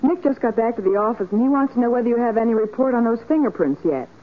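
An actress playing a brisk, sensible detective's assistant, straightforward in 1940s radio style. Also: female voice, fairly high pitch, expressive, lightly acted. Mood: businesslike. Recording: noisy, tinny 1940s radio recording.

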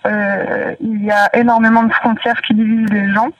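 A woman from northern France, a guest in a casual interview, talking hesitantly with many pauses and fillers. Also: a little high, flat delivery, recorded from a distance, dull audio.

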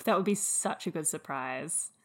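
A woman's voice: low voice, lively intonation, moderate pace. A woman in casual conversation as a podcast co-host. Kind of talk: casual chat.

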